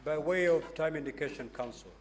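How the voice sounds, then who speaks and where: A man with a Kenyan accent presiding over a hearing, giving formal procedural directions in an authoritative, halting way. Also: a little high.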